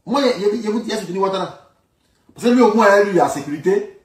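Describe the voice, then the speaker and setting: His voice sits high, expressive and racing, as this Ivorian man comments informally on politics with an Ivorian French accent. He drives his points home by emphatically repeating phrases, recorded far from the mic with a roomy echo.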